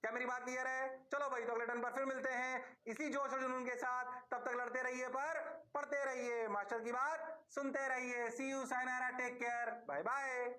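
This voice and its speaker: A man's voice: very high-pitched, little pitch movement, moderate pace, few pauses, pushed and bright, reverberant. A male physics teacher giving a lecture, coaxing and often checking whether his students have understood. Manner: coaxing, keeps asking if it is clear. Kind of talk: classroom lecture.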